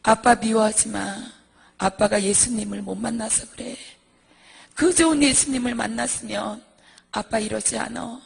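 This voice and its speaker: A man with a gravelly, husky voice speaking as a gentle, beaten young mother comforting her children. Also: high voice, fairly even intonation, normal speed, exaggerated voice. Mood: tender consoling. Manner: soft, pleading and tender.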